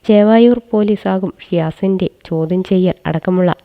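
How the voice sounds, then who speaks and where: A woman's voice: mid-range voice, normal speed. A woman reads scripted news narration as a reporter. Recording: thin phone-like narrow-band sound.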